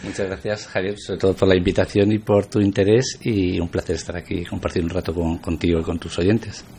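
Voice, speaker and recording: A man's voice: low-pitched, level tone, a little fast, dark tone, slight background noise. A middle-aged man from Spain, a guest on a radio interview, talking reflectively with many hesitations.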